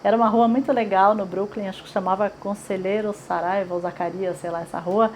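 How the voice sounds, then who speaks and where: She's a forties-aged paulistano woman from São Paulo being interviewed for an oral history, chatty and heavy on fillers and tag questions. Her medium-pitched voice is steady and darkish, a little fast, with slight background noise behind it.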